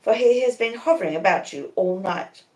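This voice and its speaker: A woman voicing an earnest, wretched young gentleman who pleads emphatically in a story reading. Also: medium pitch, animated, moderate pace, reverberant, close to an everyday voice, poor audio. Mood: earnest, pleading.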